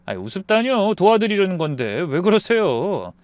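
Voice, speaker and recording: Guy doing a mean drunk husband, high and loud, sneery, dry close mic. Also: very animated, normal speed, no room sound. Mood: sneering. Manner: sneering, shouting, whiny. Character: arrogant drunk husband, newly promoted, sneering.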